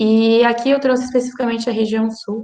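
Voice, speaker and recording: A woman's fairly high voice at a moderate pace, monotone and flat, with audible room echo. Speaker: geography teacher. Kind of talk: online lecture.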